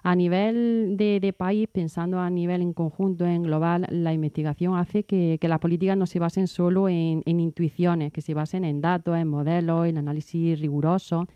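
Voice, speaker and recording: A woman from southern Spain answering interview questions as a researcher, careful and halting, with many fillers. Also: fairly low pitch, fairly even intonation, dry recording, lo-fi sound. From Andalusia, Spain.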